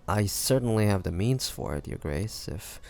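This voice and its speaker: A man playing a roguish, protective pirate captain in a scripted audio roleplay, talking teasingly and intimately to the listener in a gravelly voice. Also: on the low side, expressive, normal speed, darkish tone, soft background music. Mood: teasing, indulgent. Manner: teasing, smooth-talking, intimate pet names. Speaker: voice actor.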